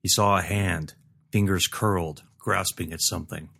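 A man giving a steady scripted narration of a fantasy story. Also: deep voice, moderate pace, vocal fry, breathy edge. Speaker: audiobook narrator.

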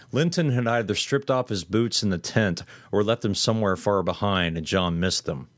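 A man reading a horror story aloud in steady, measured scripted narration. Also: sits low, no room sound.

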